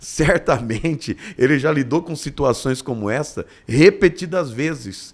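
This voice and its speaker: Ordinary pitch variation in a normal speaking voice, delivered at a fairly slow pace. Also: man, fairly high pitch for a man. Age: under 60. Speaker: pastor and co-host. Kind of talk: religious talk show. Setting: studio, live radio broadcast.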